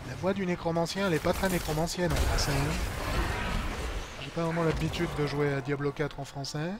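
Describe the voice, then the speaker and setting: A man's voice: a little high, steady tone, a little fast. A man giving casual, colloquial, mildly sarcastic live commentary as a game streamer. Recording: game sound clearly behind voice. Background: video game noise and ambience.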